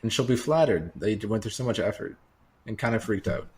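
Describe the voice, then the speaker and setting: A man's voice: lowish voice, lively intonation, fairly quick. A man co-hosting a podcast, riffing playfully in casual, informal banter. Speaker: podcast co-host.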